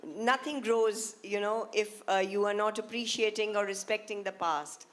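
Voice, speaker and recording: A woman's voice: mid-range voice, normal speed. A woman with an Indian accent, politely but insistently making her point in an informal panel discussion.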